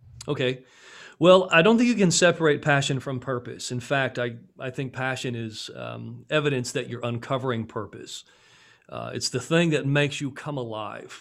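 At a moderate pace, a man with an ordinary speaking voice talks with ordinary pitch variation and big swings in loudness. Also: medium pitch for a man. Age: 40s. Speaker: pastor. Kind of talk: interview.

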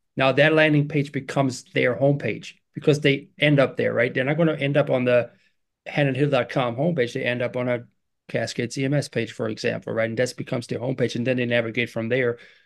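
The speaker has a German accent and a fairly even intonation. Delivery is at a fairly quick pace over a quiet background. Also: man, medium pitch for a man. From Germany. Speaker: podcast host. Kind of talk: scripted intro then interview chat.

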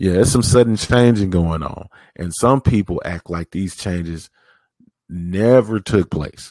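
With a very deep, low pitch and ordinary pitch variation, a man speaks at a fairly slow pace in an animated tone. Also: dry, close sound with no echo, very clean recording, silent background. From Tennessee. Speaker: sports podcast host. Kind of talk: casual sports commentary monologue. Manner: stammering repetitions.

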